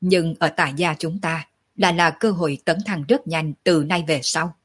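A woman's voice: deep voice, steady tone, slightly rough. A woman voicing a dignified, commanding old male clan patriarch in a storybook reading. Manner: measured, commanding, calls himself old man.

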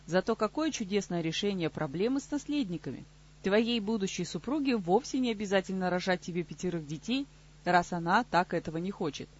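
A woman's voice: mid-range voice, lively intonation, brisk, dull audio, natural voice. A woman doing a sneering, sarcastic man. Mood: mocking. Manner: mocking, grumbling. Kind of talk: audiobook character voice.

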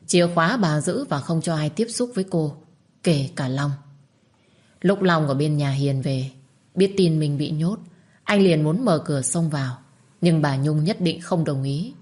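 A woman narrating a dramatic story in a steady, even delivery. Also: sits low.

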